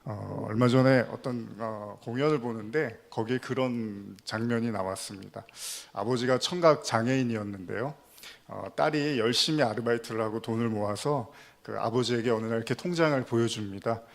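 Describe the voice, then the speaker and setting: A man's voice: medium pitch, gravelly. A man preaching as a pastor, telling a story with quoted dialogue and putting questions to his congregation. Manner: slows down for scripture reading. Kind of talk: sermon.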